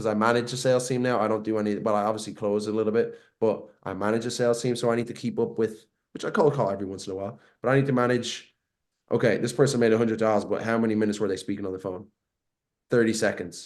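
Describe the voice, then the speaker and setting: Against a quiet background, a man with a medium pitch speaks at a very fast pace in an animated tone. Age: 20s. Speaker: agency owner. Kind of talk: casual chat.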